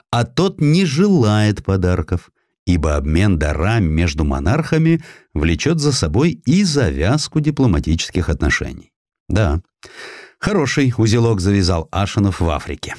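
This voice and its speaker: A man narrating a historical story in an expressive, dramatic storytelling manner. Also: lowish voice, no echo, clean studio sound. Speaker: audiobook narrator.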